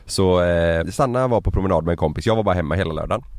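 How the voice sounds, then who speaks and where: A man's voice: low-pitched, darkish tone, dry recording, clean studio sound. A young man co-hosting a casual podcast chat, telling rambling stories and swearing freely. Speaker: podcast co-host.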